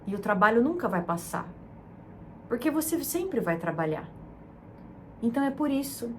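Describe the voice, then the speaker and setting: A woman from Brazil hosting a self-help talk, speaking in a soft, soothing, emotive way that repeats words. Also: mid-range voice, slight background noise. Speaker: self-help channel host. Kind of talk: gentle motivational talk.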